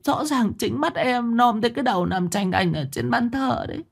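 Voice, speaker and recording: A man's voice: very high voice, animated, normal speed, vocal fry, pitched above the performer's own voice, full character voice. A man voicing a frightened young village wife who pleads and swears she is telling the truth. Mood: pleading. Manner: pleading, tearful, swearing oaths.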